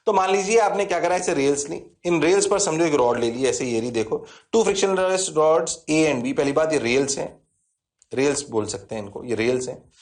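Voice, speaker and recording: Indian-accented male teacher, lecture in a classroom, plays both sides of the dialogue, a bit high-pitched. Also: moderate pace, darkish tone. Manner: talks to students, answers himself in their voice; repeats key phrases, mixes English terms in. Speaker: physics teacher.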